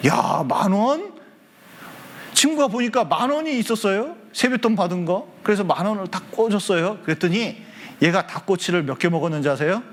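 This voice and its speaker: Male pastor, high voice, children's sermon, lively call-and-response with kids. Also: a little fast, slight background noise. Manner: lively, asks the children questions. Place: church hall.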